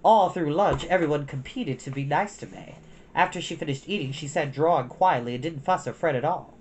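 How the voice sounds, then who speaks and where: A woman reading a children's storybook aloud in an expressive narrating style. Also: sits low, a little fast, a little hiss or hum. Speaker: storytime reader.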